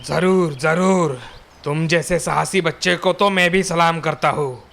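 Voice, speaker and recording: A woman voicing a menacing male ghost corpse that taunts with booming laughs in a storybook tale. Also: measured pace, creaky, a bit bright, exaggerated voice. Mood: approving.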